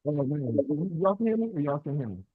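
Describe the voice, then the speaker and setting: A man's voice: on the high side, very animated. A man on a video call whose voice comes through muffled and underwater-sounding as he asks if he can be heard. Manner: quick, puzzled checking whether he can be heard. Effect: muffled underwater-sounding call audio. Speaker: meeting participant. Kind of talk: casual chat on a video call. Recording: muffled, garbled, narrow video-call line.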